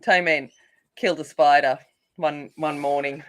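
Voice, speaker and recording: Lady chatting away to her viewers while she colors, lowish voice, rambles a lot. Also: fairly even intonation, a little slow. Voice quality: not soothing by her own account. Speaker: coloring channel host. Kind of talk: casual chat while coloring.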